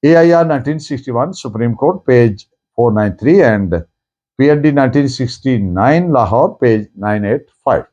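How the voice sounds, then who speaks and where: Casting: man with Pakistani accent as a didactic lecturer, soft-edged voice, very varied intonation, emphatic delivery. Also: medium pitch, expressive, muffled recording. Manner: deliberate, emphatic, didactic, mixing in English phrases. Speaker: law lecturer. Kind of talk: lecture on evidence law, dictating citations.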